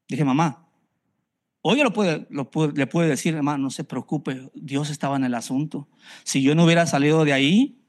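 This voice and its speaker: A man, preaching a sermon and telling his own story in an earnest way, often repeating phrases for emphasis. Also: fairly high pitch. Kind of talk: personal testimony sermon.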